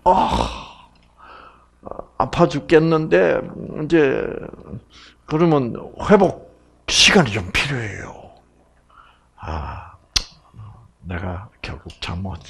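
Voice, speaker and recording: A man's voice: medium pitch, vocal fry, husky. A middle-aged man giving a health lecture to an audience, acting out quoted voices. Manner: animated, acts out quoted voices.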